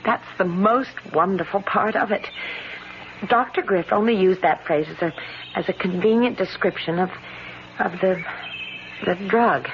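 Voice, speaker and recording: An actress playing an earnest, anxious disabled young woman in a radio drama, speaking haltingly with nervous repetitions. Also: medium pitch, natural voice. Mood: earnest, confiding. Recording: dull, noisy vintage radio drama recording.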